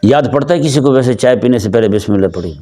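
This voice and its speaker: A man from Pakistan giving a sermon, talking conversationally to a seated gathering, asking them questions and slowing down to recite scripture. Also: medium pitch, animated, warm tone. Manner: conversational, asks the audience questions; slows down for Quranic recitation. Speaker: Islamic preacher.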